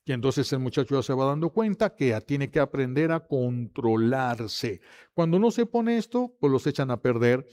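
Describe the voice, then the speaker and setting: A man preaching a sermon, acting out the voices of family members in quick anecdotes. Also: mid-range voice, warm tone. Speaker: priest.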